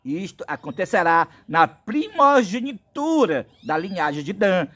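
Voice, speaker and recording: A man from Brazil delivers a prophetic sermon in a high voice. He speaks slowly and insistently, stacking up biblical references. His preaching is earnest and drawn out. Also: very animated, fairly bright tone.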